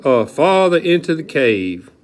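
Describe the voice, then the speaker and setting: Slow-paced man reading a storybook aloud, very animated. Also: fairly high pitch. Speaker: storyteller reading a children's book aloud with a partner.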